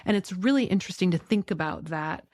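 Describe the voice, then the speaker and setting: A woman hosts a podcast in a casual, conversational interview style, dropping "like" into her speech a lot. Her lowish, darkish voice is animated and fast. The sound is studio quality with no echo.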